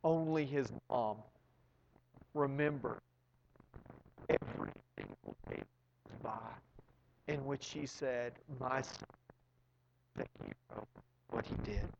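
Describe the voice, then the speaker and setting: A man preaching a sermon to his congregation, speaking earnestly and sinking to a hush at solemn moments. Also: medium pitch, wildly swooping pitch, gravelly, in a large hall, dull audio, noisy background. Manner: slow, earnest, dropping to near whisper. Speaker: pastor.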